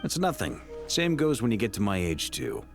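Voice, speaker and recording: Low, sentimental fatherly guy. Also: wildly swooping pitch, normal speed, creaky, music in the background, heavily acted. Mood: warmly teasing. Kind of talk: video game voice acting.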